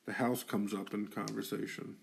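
A young man with a fairly low voice, chatting loosely on a podcast. He swears constantly, jokes around and laughs often. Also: flat delivery, normal speed, creaky. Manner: profane, joking, laughs often. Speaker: podcast co-host. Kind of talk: casual chat.

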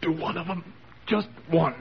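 An actor playing a badly wounded young soldier, gasping in pain and answering wryly in a 1940s radio drama. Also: male voice, a little high, steady tone, moderate pace, slight background noise, close to an everyday voice. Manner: gasping, wry through the pain. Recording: dull old radio broadcast.

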